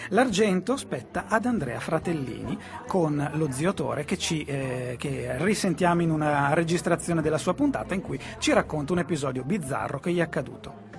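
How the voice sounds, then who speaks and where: A man with a voice a little higher than most hosts a casual radio show. He rambles amiably through links and repeats phrases as he finds his way. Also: expressive, normal speed, vocal fry, music in the background.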